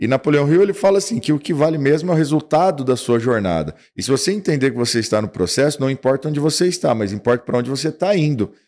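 Talking at a very fast pace with hardly any pauses, a man uses lively intonation and a fairly high pitch in a very clean recording with a silent background. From Brazil, interior of São Paulo state. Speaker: leadership trainer. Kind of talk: interview conversation.

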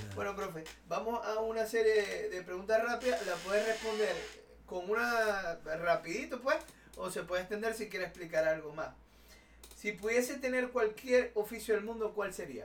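The speaker is a man with a high voice. He keeps a moderate pace and ordinary pitch variation. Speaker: podcast host. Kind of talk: interview.

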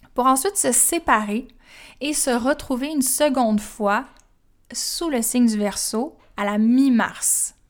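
A fairly high-pitched woman with a Quebec accent and ordinary pitch variation, in a very clean recording with a silent background. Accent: Québécois French. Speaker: podcast host, astrologer. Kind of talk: solo podcast monologue. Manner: frequent hesitations.

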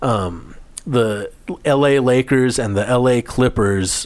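This man speaks with ordinary pitch variation. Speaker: podcast co-host. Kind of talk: casual chat. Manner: talks over co-host a lot.

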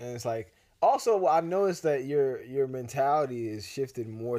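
In a dark, mellow tone, a man moves along at a fairly quick pace. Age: 30s. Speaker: podcast co-host. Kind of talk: casual chat.

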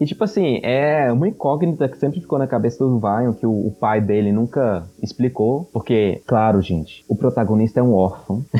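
A man talks at a moderate pace in a medium pitch, with a dark, mellow tone. His intonation is lively and he hardly pauses at all. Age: 30s. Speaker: comic book artist. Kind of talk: casual chat.

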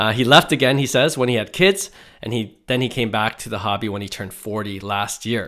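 A man with a Canadian accent speaks at a moderate pace in a bright, sharp tone with ordinary pitch variation, on a very clean recording with a silent background. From Canada (Toronto). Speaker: podcast host. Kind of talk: casual interview.

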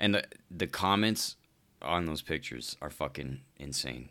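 A man with vocal fry and a bright, sharp tone speaks at a moderate pace with long, frequent pauses. His pitch varies in an ordinary way on a very clean recording with a silent background. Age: 20s. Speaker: podcast host. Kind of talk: casual solo monologue. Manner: casual, profane and rambling, filler-heavy.

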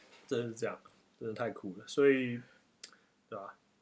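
A man with a medium-pitched voice talks at a fairly quick pace. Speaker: podcast host. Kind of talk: casual chat. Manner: animated.

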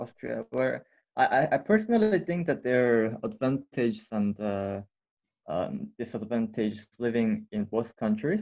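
A man's medium-pitched voice with a Korean accent, very wide pitch swings and a fairly slow pace. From South Korea. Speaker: university student. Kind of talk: casual interview. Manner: halting.

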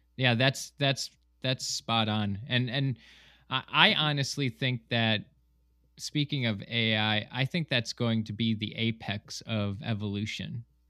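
Speaking at a fairly slow pace, a man with an American accent has a medium pitch and a bright, sharp tone on a very clean recording with a silent background. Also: fairly even intonation, dry, close sound with no echo. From Western New York, Chautauqua County. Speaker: podcast co-host. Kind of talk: casual chat. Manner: halting, many fillers and repeats.

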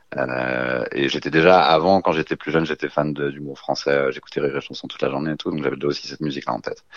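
Over noticeable background noise, a man with a very deep, low pitch talks at a very fast pace with hardly any pauses and fairly even intonation. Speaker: stand-up comedian. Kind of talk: casual chat.

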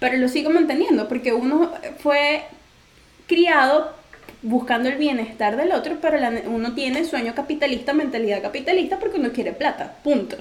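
Over noticeable background noise, a woman speaks at a moderate pace with a high pitch and ordinary pitch variation. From Venezuela. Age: 20s. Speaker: podcast host. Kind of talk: casual chat.

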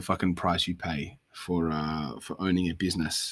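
A man speaks at a moderate pace with an Australian accent. The recording is very clean, with a silent background. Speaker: podcast host and personal trainer. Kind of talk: casual solo rant. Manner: animated.

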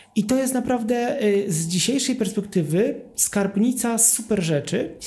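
Over noticeable background noise, a man speaks at a fairly slow pace. His pitch varies in an ordinary way. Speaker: art historian and exhibition curator. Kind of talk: interview.

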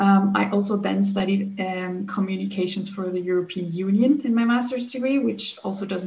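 Speech in a German accent comes at a moderate pace with fairly even intonation and noticeable background noise. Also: woman. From Germany. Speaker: localization specialist. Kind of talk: interview.

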